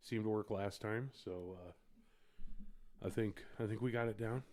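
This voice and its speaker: A relaxed, joking man co-hosting a casual podcast from a home studio. His voice sits a little low, and he swears freely in easygoing banter. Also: unhurried. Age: adult with a child. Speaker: podcast co-host and editor. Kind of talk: casual chat.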